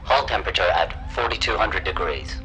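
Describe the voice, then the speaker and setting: Impassive low-voiced ship computer. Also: male voice, expressive, brisk, rough recording. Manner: formal, procedural announcing. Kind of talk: science fiction audio drama acting.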